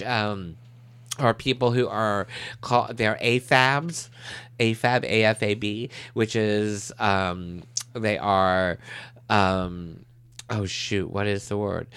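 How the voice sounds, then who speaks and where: A man's voice: lowish voice, a bit bright, clear, resonant tone. A man hosting a podcast, chatting casually, rambling with restarts and laughing often. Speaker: podcast host. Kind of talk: casual chat.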